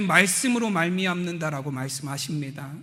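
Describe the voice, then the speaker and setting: Noticeable background noise and audible room echo fill this clip. A man talks at a fairly quick pace with lively intonation. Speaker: pastor. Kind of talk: sermon.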